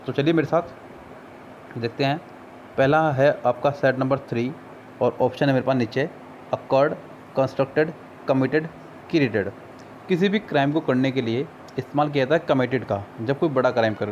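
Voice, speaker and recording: His voice is mid-range and a little mellow as he patiently tutors for an English exam, reading English sentences slowly. The man speaks Hindi and has an Indian accent, and his screen recorder mic gives a lo-fi sound with a little hiss or hum.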